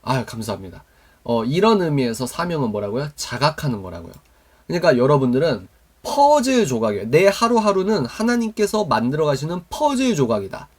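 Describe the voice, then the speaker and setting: Animated man leading a call-and-response lesson. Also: a little high, a little fast, husky. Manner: quizzes listeners with call-and-response questions. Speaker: youth mentor and teacher. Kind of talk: Christian youth mentoring lecture. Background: live online stream to viewers.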